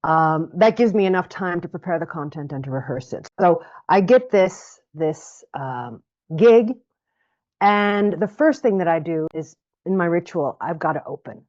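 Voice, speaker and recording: A woman with a fairly low voice talks reflectively as an interview guest. She picks up phrases and repeats them while she thinks. The sound is dull and lo-fi. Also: lively intonation, unhurried, a little mellow. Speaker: guest speaker coach. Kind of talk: interview conversation. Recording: muffled lo-fi recording.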